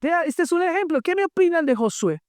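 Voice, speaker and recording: Lively preacher telling Bible stories. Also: extremely high pitch, fairly quick, no room sound, clean studio sound. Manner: animated storytelling, asks the congregation questions; joking asides. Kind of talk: sermon.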